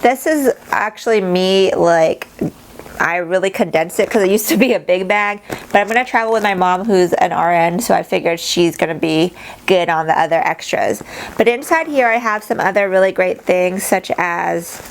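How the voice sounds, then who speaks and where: A woman's voice: on the low side, moderate pace, a little hiss or hum. A woman giving a casual, chatty show-and-tell as a travel vlogger, explaining things informally to camera.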